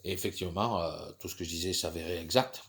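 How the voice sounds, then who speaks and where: A man's voice: sits low, steady tone, fast talker, a bit bright. Rambling Frenchman in his fifties, congested. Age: 50s. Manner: rambling, hesitant, many restarts and fillers. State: stuffy from a cold. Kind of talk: personal monologue.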